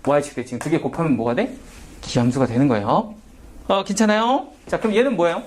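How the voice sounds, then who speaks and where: A man's voice: fairly high pitch, lively intonation, fairly quick, slight background noise. A man teaching a math lesson in a casual, questioning way, often asking and answering himself. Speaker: math tutor. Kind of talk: whiteboard math lecture.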